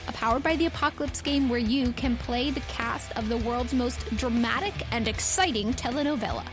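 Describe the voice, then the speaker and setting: A woman, hosting and narrating a tabletop game as game master. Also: high-pitched. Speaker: game master and podcast host. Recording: loud music under the voice. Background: music.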